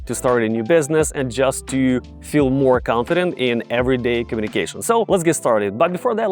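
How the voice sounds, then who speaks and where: A man from Ukraine with a Ukrainian accent, casually teaching viewers to camera in an upbeat, direct way. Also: mid-range voice. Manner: upbeat, direct, addresses viewers as "you guys". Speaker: English tutor.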